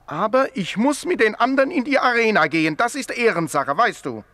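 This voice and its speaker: A man acting in a radio play as a gentle, animal-loving Christian tailor, earnest and mildly stubborn. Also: high-pitched, animated, fairly quick. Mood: gently firm. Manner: mild, guileless, earnest.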